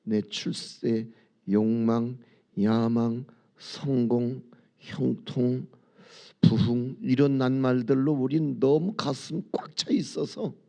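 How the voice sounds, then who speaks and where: A male pastor gives a dawn sermon in a church sanctuary, his voice dark and mellow at a middle pitch. He tells stories in a conversational way and keeps checking in with the congregation through rhetorical questions. He also leads the room in reading and prayer. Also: fairly even intonation, takes it slowly, gravelly.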